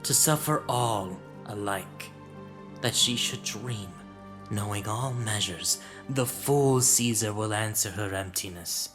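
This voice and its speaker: A man's voice: lowish voice, slow. A man playing a blunt, cynical veteran Roman soldier in a Shakespearean audio drama, with a wry, emphatic delivery. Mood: scornful, musing. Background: music.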